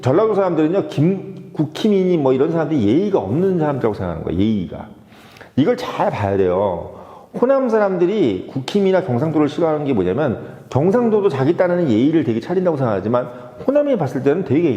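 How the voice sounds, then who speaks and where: A man giving opinionated solo political talk, animated, often prodding listeners with rhetorical "eh?" questions. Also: medium pitch. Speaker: political commentator. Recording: echoey room with long reverb, dull lo-fi sound.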